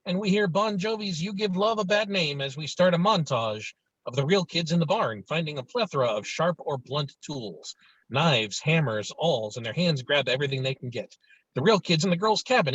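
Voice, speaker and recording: A man's voice: on the high side, fairly bright tone, slightly rough, no echo, lo-fi sound. A man reading stage directions as narrator in a virtual table read of a film script.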